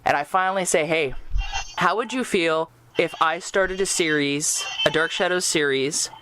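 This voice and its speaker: A woman's voice: low-pitched, moderate pace, a bit bright, faint music behind. A woman in a casual interview, chatting away as a storyteller who acts out the lines she quotes. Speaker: radio drama writer being interviewed. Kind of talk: casual interview chat with anecdotes.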